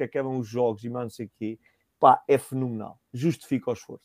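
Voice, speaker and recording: The audio is dry and close, without any echo. It's a man's voice. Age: 40s. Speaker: museum curator and software engineer. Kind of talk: casual interview. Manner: hesitant, many fillers.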